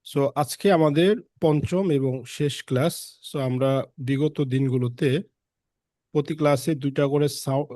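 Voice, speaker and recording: A man's voice: fairly high pitch, warm tone, dry recording, clean studio sound. A man teaching an English pronunciation class, explaining step by step, repeating example words and checking in with students. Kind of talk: online class lesson in Bengali with English terms.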